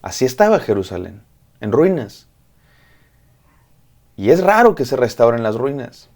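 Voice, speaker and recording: A man's voice: mid-range voice, big pitch swings, measured pace, darkish tone. Male pastor, devotional sermon, addresses listener directly with rhythmic repetition.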